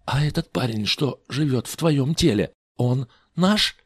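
A man's voice: medium pitch, expressive, measured pace, husky, no echo, studio quality, voice pushed up. A man voicing a startled, timid woman asking questions in a storybook reading. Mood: questioning.

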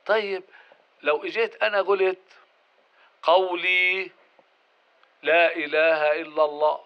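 A man's voice: on the high side, fairly even intonation, a little slow. Man teaching grammar. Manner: explains step by step, asks questions and answers them himself. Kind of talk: explanatory grammar lesson. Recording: dull lo-fi recording.

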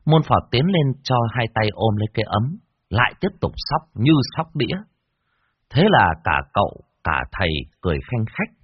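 A man narrating a ghost story in a lively, dramatic way. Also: on the low side, moderate pace, husky, no echo. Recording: dull lo-fi dry recording.

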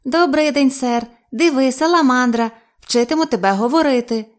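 Creaky squeaky salamander, put on by a lady reading a story, high and strange, repeats stuff eagerly. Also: moderate pace, natural voice. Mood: chattering. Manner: repeats phrases eagerly, polite. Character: chattering talking salamander, parroting, creaky-voiced.

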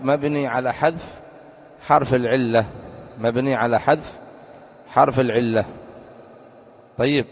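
A man's voice: medium pitch, gravelly. Man teaching grammar in a reverberant hall. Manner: repeats points, quizzes students with questions. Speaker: sheikh teaching Arabic grammar. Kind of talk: classroom grammar lesson.

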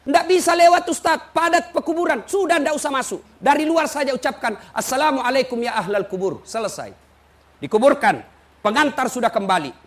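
A man preaching a humorous sermon, acting out quotes and calling out takbir loudly. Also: extremely high pitch, a little fast. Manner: animated storytelling, acting out quotes, shouting takbir.

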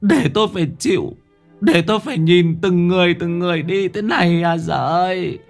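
A man's voice: mid-range voice, lively intonation, a little slow, a little mellow, soft background music, pitched above the performer's own voice. A man voicing an old grandmother who cries and laments to heaven. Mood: wailing lament. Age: older. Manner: lamenting, crying out, sobbing.

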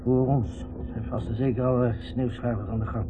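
An actor playing a stubborn, grumbling husband at the wheel who insists he is calm, in a Dutch radio play. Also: medium pitch, normal speed, over music, natural voice. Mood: dry complaining. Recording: muffled, noisy old radio recording.

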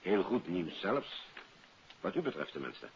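A muffled, hissing radio recording of a polite, obliging official. He is low-pitched yet very animated in his rise and fall, deliberate in a vintage drama style. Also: heavily acted. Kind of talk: 1950s radio detective drama acting.

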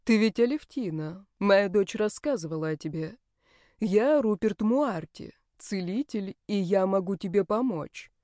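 A woman voicing a calm, authoritative male healer in an audiobook, speaking in a measured, steady way. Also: mid-range voice, dry recording, clean studio sound, natural voice. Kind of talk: audiobook character voice.

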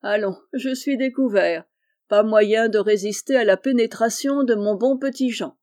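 A kind, wealthy gentleman painter speaks gently and reassuringly to the young men he looks after, as a woman narrator puts him on. The tone is mellow and warm, and his reading has the calm of a storybook. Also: on the high side, moderate pace, natural voice. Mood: tender. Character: kind wealthy middle-aged male painter, benefactor.

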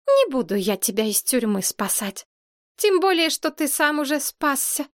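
A woman doing a bossy shrill girl princess. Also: sing-song, moderate pace, no echo, studio quality. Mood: haughty. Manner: scolding, high-pitched, dramatic. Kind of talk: audiobook character voice.

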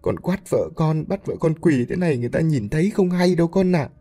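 A man voicing an elderly mother who tearfully implores her son-in-law to calm down. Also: a little high, a little fast, pitched above the performer's own voice. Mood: imploring.

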